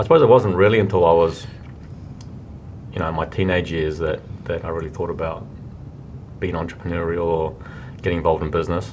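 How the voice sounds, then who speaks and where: With a New Zealand accent, a man with a very deep, low voice talks at a very fast pace broken by long, frequent pauses, his pitch varying ordinarily amid noticeable background noise and audible room echo. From New Zealand, Whangarei. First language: Japanese. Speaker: entrepreneur. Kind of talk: interview.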